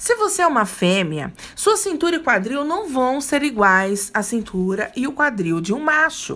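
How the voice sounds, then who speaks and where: Over noticeable background noise, a woman with a high voice talks at a fairly slow pace with very wide pitch swings and hardly any pauses. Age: 40s. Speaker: YouTuber on paranormal topics. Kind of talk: Q&A monologue.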